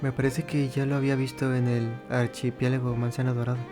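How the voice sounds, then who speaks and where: Casting: male gaming host, casual commentary, middle pitch, music behind. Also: little pitch movement, fast talker. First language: Spanish. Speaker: gamer, channel host. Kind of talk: casual game commentary and reading dialogue.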